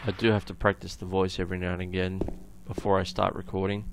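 A man with an Australian accent giving casual, halting gameplay commentary that trails off into asides, on a noisy home recording. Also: sits low, little pitch movement, gravelly. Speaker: gamer recording a let's play.

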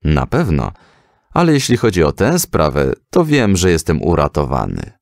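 A man voicing a calm, devout father who patiently and assuredly teaches his son in a children's story. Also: a bass voice, moderate pace, vocal fry, no echo, clean studio sound, full character voice. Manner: patient, didactic.

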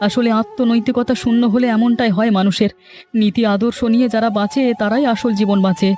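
A man voicing a whining, self-pitying cartoon schemer who has been brought low. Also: steady tone, a little fast, a little mellow, faint music behind. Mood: sorry, bitter. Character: whining, town-educated male schemer, later regretful beggar.

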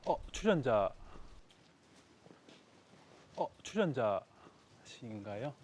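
A man in his late thirties with a mid-pitched, highly animated voice. He speaks politely and formally with some halting, as a dating show contestant in conversation and in interview remarks. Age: late 30s. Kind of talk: casual chat and confessional remarks to camera.

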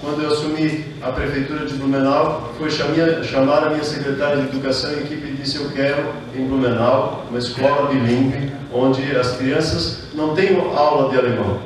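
A middle-aged man delivers a formal speech at a podium, earnest and unhurried, greeting each guest by name. His German-speaking upbringing sits behind his words. The sound is a very echoey hall with the voice picked up from a distance and a faint hiss underneath. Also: medium pitch, steady tone. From southern Brazil. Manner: earnest, greets dignitaries one by one, with fillers. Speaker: mayor. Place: large reverberant hall, indoors. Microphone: podium microphone heard from a distance.

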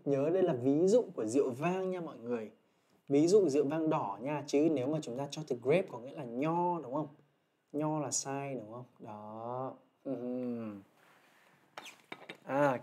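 A man walks viewers through a reading exercise in an easygoing livestream, his voice sitting in a middle pitch. He talks in a chatty, coaxing way and keeps tacking checking questions onto his explanations. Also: normal speed, a little mellow. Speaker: IELTS teacher. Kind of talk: casual livestream lesson.

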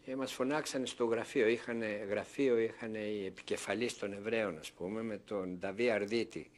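A man's voice: fairly low pitch, fairly even intonation, slight background noise. An older man from Thessaloniki giving an oral history testimony as an interviewee, telling his story and acting out remembered conversations. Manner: storytelling that acts out remembered dialogue.

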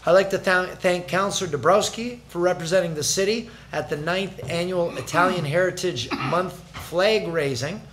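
High-voiced mayor chairing a meeting. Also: male voice, noisy background. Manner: brisk, chatty, joking asides. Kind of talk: formal council meeting announcements. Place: large council chamber. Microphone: desk microphone.

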